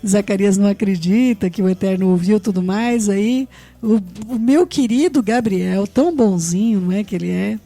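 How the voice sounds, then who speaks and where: Brazilian woman preacher, Brazilian Portuguese accent, mid-pitched, earnest sermon delivery with frequent rhetorical check-ins. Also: moderate pace, dark tone, faint music behind. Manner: earnest, tags phrases with rhetorical questions, addresses listeners fondly.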